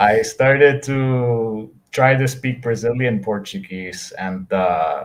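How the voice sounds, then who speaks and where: In an American accent, the speaker goes at a very slow pace with hardly any pauses and ordinary pitch variation. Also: man, medium pitch for a man. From New York City, the Bronx. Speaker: immigrant guest. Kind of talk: interview on live stream. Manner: hesitant, many fillers.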